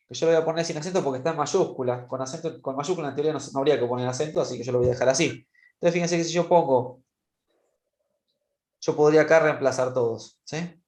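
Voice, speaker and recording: A male teacher walking students through a spreadsheet exercise in an online class, patiently checking in with them as he goes. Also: a little high. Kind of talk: online class screen-share demonstration. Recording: roomy echo.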